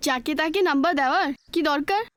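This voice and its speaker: A woman's voice: high-pitched, fast talker, no echo, studio quality, lightly acted. An actress playing a guarded, sarcastic young woman answering a friend's pushy questions. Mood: curt. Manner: curt, sarcastic. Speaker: film character. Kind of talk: film dialogue.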